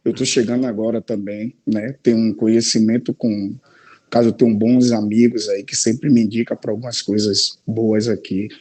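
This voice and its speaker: A man speaks as a guest over a video call. His voice is mellow and relaxed, and he talks hesitantly, often checking in with his listeners. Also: lowish voice, moderate pace, slightly rough. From Salvador, Bahia, Brazil. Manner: hesitant, with frequent "né?" and "certo?". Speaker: guest, real estate broker. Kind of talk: casual live-stream chat.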